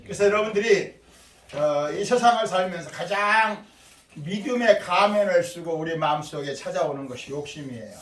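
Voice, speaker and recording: An older man preaching as pastor, lively, quizzing the children and calling on them by name. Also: sits high, moderate pace, slight background noise. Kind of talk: sermon. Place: church sanctuary. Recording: echoey room from far off.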